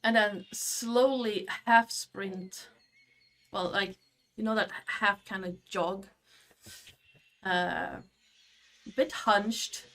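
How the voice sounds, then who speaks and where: Slow, hesitant woman game master. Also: mid-range voice, steady tone, a bit bright. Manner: hesitant, with many fillers and small laughs. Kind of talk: narrating a tabletop game.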